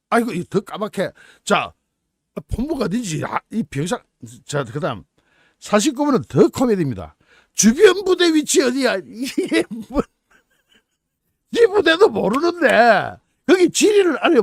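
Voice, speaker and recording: A man's voice: high voice, huge pitch swings, moderate pace, breathy edge, no echo, studio quality. A man hosting his own channel, commenting on the news in a mocking, incredulous way. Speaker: political YouTube channel host.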